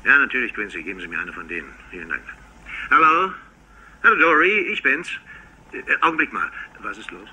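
Sharp, husky businessman on a taped car phone. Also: on the low side, big pitch swings, a little fast, exaggerated voice, low-quality recording. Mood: casual. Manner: casual, businesslike. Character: brisk, affable industrialist husband leaving phone message. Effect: car phone recorded on tape. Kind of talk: dubbed TV crime drama acting.

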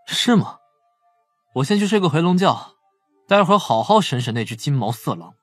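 An actor playing a wry, shrewd young police profiler in an audio drama. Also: male voice, a little high, very animated, normal speed, no echo. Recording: faint music under the voice.

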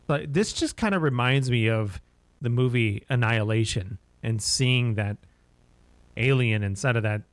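A man's voice: mid-range voice, moderate pace, dry recording. A man in his thirties giving casual, half-joking commentary as he plays a horror game. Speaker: streamer playing a horror game. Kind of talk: casual gameplay commentary and reaction.

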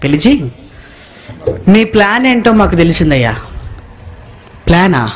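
A man's voice: high-pitched, very animated, a little slow, slight background noise. A man preaching a sermon, asking the congregation rhetorical questions and repeating phrases for emphasis. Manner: reads scripture line by line, echoing the congregation.

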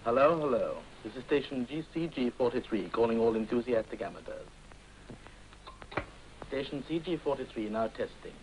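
An amateur wireless broadcaster heard through a radio set rather than in the room. He calls out in a formal announcer style at an everyday mid pitch. The set's sound is distant, with light hiss and clicks underneath. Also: animated, normal speed, darkish tone. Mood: announcing. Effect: heard over a wireless set, distant. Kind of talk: 1930s film acting.

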